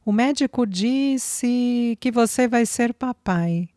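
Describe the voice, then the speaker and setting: Woman reads a gentle, affectionate young mother-to-be; mellow, soft. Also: medium pitch, measured pace, dry recording, clean studio sound, lightly acted. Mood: tender, joyful. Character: tender young woman, newly pregnant.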